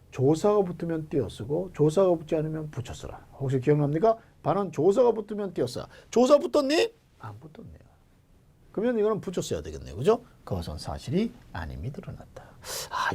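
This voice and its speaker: Male lecturer, husky gravelly voice, dark tone, wildly varied pitch, loud calls and whispered asides. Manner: animated, jokey, switches between loud calls and whispered asides. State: strained throat. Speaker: Korean language exam lecturer. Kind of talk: online exam-prep lecture.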